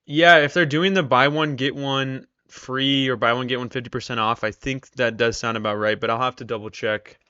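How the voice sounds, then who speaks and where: A man's voice: medium pitch, steady tone, moderate pace, few pauses, pushed and bright, clean tone, no echo, highs cut off. A man hosting a casual live stream, chatting with viewers while losing his voice. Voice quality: strained, tired voice. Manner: chatty, reads viewer comments aloud. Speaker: live-stream trader host.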